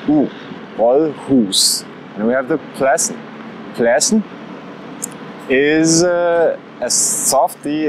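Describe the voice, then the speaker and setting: A man in his forties, a native Danish speaker, teaching pronunciation slowly and carefully, recorded outdoors on city streets with a lapel mic. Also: mid-range voice, background noise. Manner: slow, exaggerated demonstration of sounds. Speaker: language teacher. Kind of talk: pronunciation lesson vlog.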